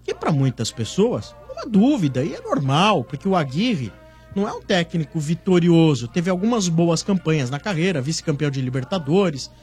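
Animated high-voiced man debating football. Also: normal speed, soft background music. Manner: animated, emphatic. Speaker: football talk show panelist. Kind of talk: casual sports debate.

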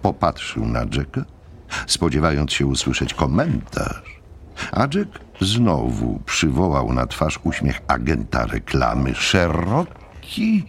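Bardzo niski, chropawy głos lektora. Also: male voice, very deep voice, wildly swooping pitch, vocal fry, a little hiss or hum. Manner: measured, deliberate phrasing. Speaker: audiobook narrator. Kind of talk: scripted dramatic narration.

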